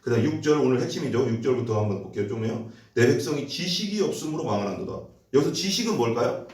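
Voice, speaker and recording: An echoey recording of a male pastor preaching a little way off the mic in a church sanctuary. He talks in a relaxed, conversational way, sometimes slipping into the voices of animals. His pitch sits in the middle range. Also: fast talker, recorded from a distance. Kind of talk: sermon.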